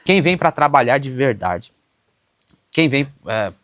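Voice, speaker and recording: A man's voice: mid-range voice, very animated, a little slow, fairly bright tone, no room sound, studio quality. A man with a southern Brazilian accent from Santa Catarina, talking casually and emphatically to his viewers as he answers comments, recorded outdoors. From western Santa Catarina, southern Brazil. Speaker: YouTuber on public service exam preparation. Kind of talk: casual direct-to-camera commentary, responding to comments. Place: outdoors on a small farm.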